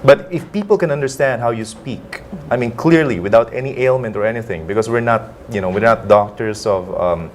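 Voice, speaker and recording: A man with a Filipino accent, a voice actor guest on TV, explaining things in a measured way. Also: mid-range voice, slight background noise. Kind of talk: TV interview.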